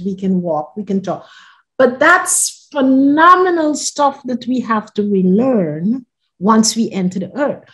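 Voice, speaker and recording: Speaking on a video call from her living room, this older woman from Guyana is a podcast guest telling a personal story with real earnestness. Her voice sits in the mid range, her lines tend to fade gently at the end, and the recording is rough.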